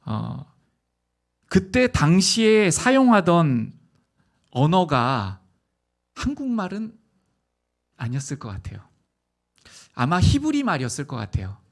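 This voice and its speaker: A man preaching a sermon as pastor, telling stories with animated, acted-out voices. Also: on the high side, takes it slowly, gravelly, pauses often. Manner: animated storytelling, acting out voices. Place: church sanctuary.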